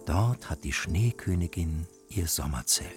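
Deep slow reindeer from a man reading, proud, clear music under it. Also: expressive, a little mellow. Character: proud old reindeer from the far north.

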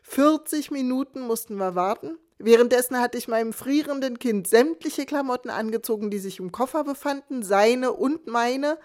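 A woman's voice: a little high, fairly quick, few pauses, darkish tone. A woman in her thirties reading her own first-person story aloud in a dry, wry storytelling manner. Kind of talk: scripted first-person narration.

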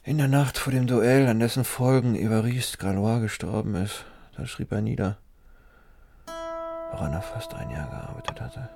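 A man's voice: on the low side, normal speed, creaky, darkish tone, soft background music. An actor playing an ambitious, self-important male physicist in his thirties in a radio drama. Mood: earnest. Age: 30s.

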